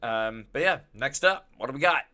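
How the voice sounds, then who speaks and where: Bright-voiced chatty podcast host man. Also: mid-range voice, expressive, normal speed, a little hiss or hum. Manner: chatty, enthusiastic, swears casually. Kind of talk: casual chat.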